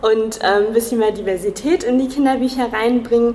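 A woman's pitch varies in an ordinary way as noticeable background noise carries on behind her. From Kassel, northern Hesse, Germany. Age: 20s. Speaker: children's book publisher founder, doctoral student. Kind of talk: casual interview.

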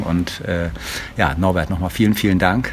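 Speaking at a fairly quick pace, a man with a very deep, low pitch shows ordinary pitch variation. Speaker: physician and podcast host. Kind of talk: casual interview. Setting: outdoors on a beach.

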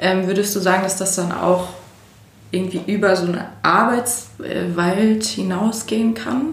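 A woman speaks at a fairly slow pace while audible room echo and noticeable background noise fill the recording. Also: medium pitch for a woman, ordinary pitch variation. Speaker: music journalist and podcast host. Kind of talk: casual chat.

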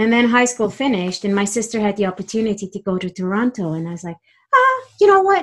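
A woman with a somewhat breathy, fairly high voice speaks against a quiet background. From Romania (Transylvanian German minority). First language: German. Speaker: coach. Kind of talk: casual chat.

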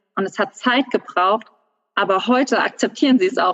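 In an unremarkable speaking voice, a woman talks at a fairly quick pace with lively intonation. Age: 20s. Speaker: animal welfare activist. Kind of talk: interview.

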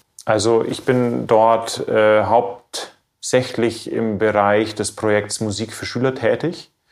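Very slowly and with hardly any pauses, a man talks at medium pitch with fairly even intonation. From Bavaria, Chiemgau. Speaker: classical singer. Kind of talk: interview. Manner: halting.

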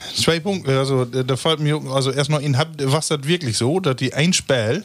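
A man speaks in an unremarkable speaking voice, medium in pitch with ordinary pitch variation. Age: 30s. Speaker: podcast co-host. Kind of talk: casual chat.

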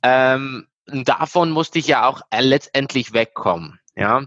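A man speaks at a medium pitch in a bright, sharp tone. The sound is dry and close, with no echo. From Italy. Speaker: sales professional. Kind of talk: podcast interview.

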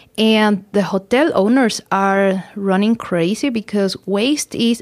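With a Spanish accent, the speaker talks at a fairly slow pace in a dry, close sound with no echo. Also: woman. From Mexico. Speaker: environmental engineer and company founder. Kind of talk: interview.

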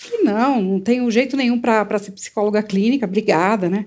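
On a very clean recording with a silent background, a woman with a dark, mellow tone talks very fast with ordinary pitch variation. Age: 50s. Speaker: psychologist and entrepreneur. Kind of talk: stage talk. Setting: stage with audience.

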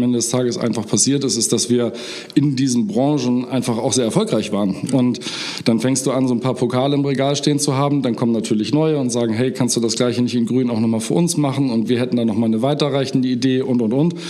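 The speech comes very fast with fairly even intonation, amid noticeable background noise and audible room echo. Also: man, very even loudness. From northern Germany, Hamburg area. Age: 30s. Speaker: company founder and CEO. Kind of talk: interview.

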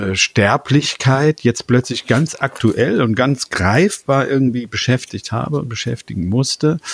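A man at a very slow pace, with ordinary pitch variation and a dry, close sound with no echo. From Saarland, Germany (Neunkirchen). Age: 60s. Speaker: government IT manager. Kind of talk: casual chat. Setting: remote call, audio only.

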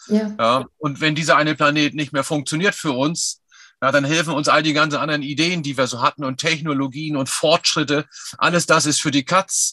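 In a dry, close sound with no echo and a quiet background, a man speaks at a moderate pace with fairly high pitch, fairly even intonation and a bright, sharp tone. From northern Germany, Schleswig-Holstein. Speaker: company co-founder. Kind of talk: interview. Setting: video call.

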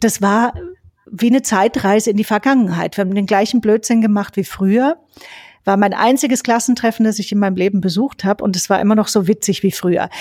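Somewhat breathy and fairly high, a woman's voice moves at a moderate pace in a dry, close sound with no echo. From Bavaria, near Munich. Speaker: coach and podcast co-host. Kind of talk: casual chat.

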